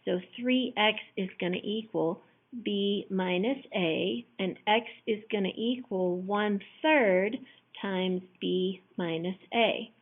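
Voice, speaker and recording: A hoarse woman teacher patiently explaining matrix math step by step in a recorded lesson. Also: medium pitch, takes it slowly. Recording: tinny phone-like audio.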